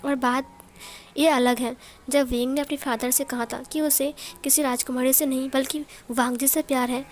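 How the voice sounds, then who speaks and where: A woman's voice: sits high, little pitch movement, moderate pace. A woman casually retelling a romance story in a chatty, explaining way, like a storyteller. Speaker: story narrator.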